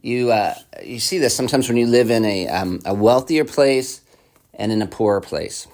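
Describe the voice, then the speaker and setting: A man's voice: medium pitch, moderate pace, a little mellow. A man preaching a sermon in a conversational way, asking the listener repeated questions and reading quotes aloud. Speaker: pastor.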